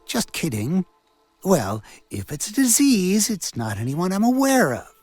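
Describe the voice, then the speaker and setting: Game role: sardonic village doctor, theatrical wisecracker, extremely varied pitch, music underneath. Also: male voice, huge pitch swings, slow pace, darkish tone, slightly rough, dry recording, heavily acted. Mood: wry. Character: sarcastic village doctor and coroner, self-styled man of science. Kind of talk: video game character acting.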